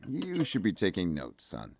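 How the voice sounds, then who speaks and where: A man's voice: fairly low pitch, creaky, slight background noise, exaggerated voice. An actor playing a good-natured, protective middle-aged father in an audio drama. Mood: wry, playful.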